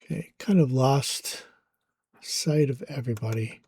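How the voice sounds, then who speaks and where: A man narrating as game master of a tabletop game in a relaxed, halting way with many fillers. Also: medium pitch, husky.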